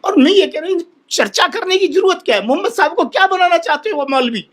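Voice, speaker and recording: A man's voice: very high voice, expressive, quick pace, a bit bright. A man, a Hindu holy man appearing as a guest in a heated television debate, who speaks in an impassioned, pleading way and keeps repeating himself.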